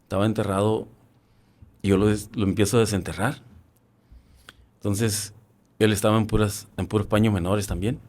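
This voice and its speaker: A man in his fifties with a Mexican accent, a former soldier recounting his own experience in a halting way, often restarting and repeating words. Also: on the low side, fairly even intonation, a little mellow. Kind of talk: personal war-story testimony.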